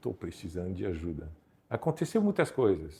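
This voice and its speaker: Recorded very cleanly with a silent background, a man with a non-native accent speaks in a dark, mellow tone at a fairly low pitch. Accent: foreign accent in Portuguese, lasting. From Belgium (Brussels). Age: 50s. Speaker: photographer. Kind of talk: interview. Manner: halting, many fillers.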